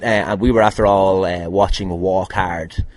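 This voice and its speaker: This Irish man hosts a podcast, answering fan questions with casual, rambling anecdotes that are jokey, sweary and self-deprecating. His voice is deep, with fairly even intonation, and he talks at a normal speed.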